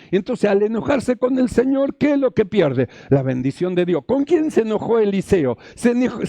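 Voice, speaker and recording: A man's voice: high voice, gravelly, mellow, no room sound. A male pastor, preaching a sermon, repeating phrases and asking the congregation rhetorical questions.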